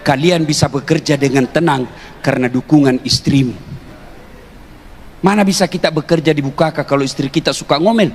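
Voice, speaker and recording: A man preaching a humorous sermon to an audience, joking and teasing, with bursts of shouting. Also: on the high side, brisk. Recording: reverberant hall with faint noise.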